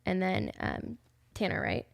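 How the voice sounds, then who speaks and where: A young woman in her twenties hosting a faith podcast, talking casually and warmly with lots of "like" fillers. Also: lowish voice, sing-song, a little slow, gravelly. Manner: chatty, many "like" fillers, emotional. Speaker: podcast host. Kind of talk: casual heartfelt chat.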